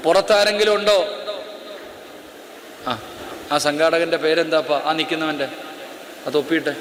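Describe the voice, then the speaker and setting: A man's voice: on the high side, steady tone, moderate pace, fairly bright tone, slight background noise. A male Islamic preacher giving a sermon to a live audience in an auditorium, ordering the crowd about and then telling a story with drama. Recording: echoey auditorium with long reverb.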